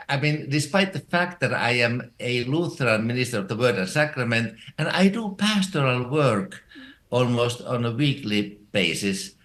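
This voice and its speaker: A man from Finland with a Finnish accent, a theology professor explaining ideas slowly with frequent hesitations in an interview. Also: mid-range voice, a bit bright. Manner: slow and measured, many hesitations. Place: residence in Finland.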